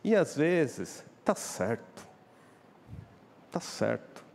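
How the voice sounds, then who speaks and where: A man's voice: on the high side, sing-song, very slow, vocal fry, a little mellow, a little hiss or hum. A Brazilian man preaching a sermon, often asking the congregation questions and acting out quoted voices. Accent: Brazilian Portuguese. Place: church hall. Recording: church hall reverb.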